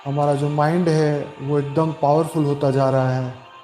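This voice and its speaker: A man speaking as a meditation guide, calm and soothing, giving slow, repetitive instructions with long pauses in Hindi. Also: a little high. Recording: roomy echo with background music. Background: meditation music.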